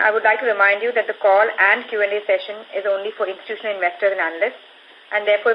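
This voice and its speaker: A woman with an Indian accent giving semi-scripted announcements as an investor relations moderator on a conference call. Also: medium pitch. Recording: muffled, slightly noisy conference call.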